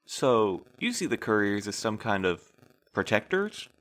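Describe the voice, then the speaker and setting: Einen ruhigen, tiefen Postmeister. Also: male voice, fairly low pitch, very animated. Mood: calm. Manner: gentle, measured, soothing. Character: calm patient middle-aged male postmaster interviewer. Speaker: postmaster interviewing new couriers. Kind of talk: audio drama acting.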